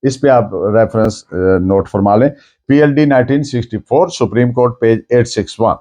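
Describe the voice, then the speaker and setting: A man with a Pakistani accent lecturing on a legal text, deliberate, restating things in other words as he explains. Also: mid-range voice, mellow. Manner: deliberate, explains by repeating and rephrasing. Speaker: law lecturer.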